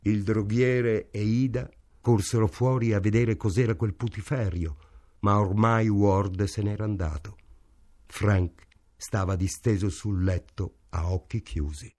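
Slow, measured male narrator. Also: lowish voice, steady tone, darkish tone. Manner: measured, unhurried storytelling. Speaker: reader. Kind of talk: audiobook narration.

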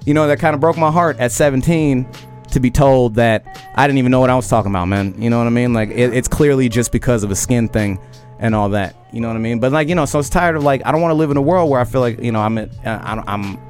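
Guy in his late 20s on a podcast, loud carrying voice, average pitch, faint music behind. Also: fast. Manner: loud-voiced and emphatic, keeps asking "you know what I mean". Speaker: podcast host. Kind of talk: casual conversation.

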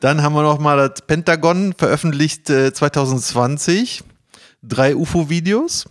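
A man hosting a podcast, chatting casually in a halting, informal and excitable way. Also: fairly high pitch. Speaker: podcast host. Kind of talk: casual chat, presenting to co-hosts.

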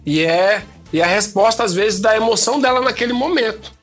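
A man's voice: high voice, brisk, a bit bright, soft background music. A man, a guest sound technician and DJ, telling a story in casual talk and repeating phrases for effect.

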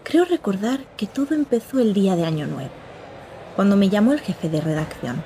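A woman narrating an audio drama in the first person, reflective and measured. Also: medium pitch, animated, mellow, a little hiss or hum.

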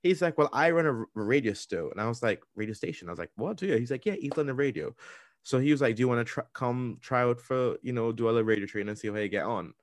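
A man in his thirties from Trinidad with a Trinidadian accent, telling stories in a casual podcast chat, talking fast and restarting his sentences often. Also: mid-range voice, animated, no room sound, studio quality. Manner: fast, rambling, with many restarts.

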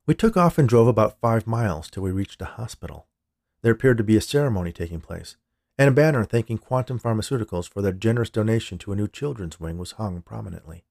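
A man's voice: on the low side, expressive, fast, creaky, a little mellow, dry recording, clean studio sound. A man narrating a scripted short story as the storyteller. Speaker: writer and narrator of a fiction podcast.

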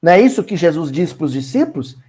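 Animated man leading a Bible study. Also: fairly high pitch, fast, slightly rough. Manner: animated, colloquial, asks the audience questions. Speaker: Spiritist study leader.

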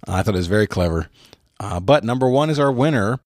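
Lively, teasing man hosting a trivia show. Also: fairly low pitch, quick pace, dry recording, studio quality. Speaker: podcast host. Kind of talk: casual banter.

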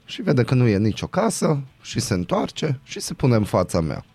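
A man's voice: mid-range voice, big pitch swings, a little mellow, breathy edge, no room sound, soft background music. A man co-hosting a morning radio show, telling an indignant story in casual banter.

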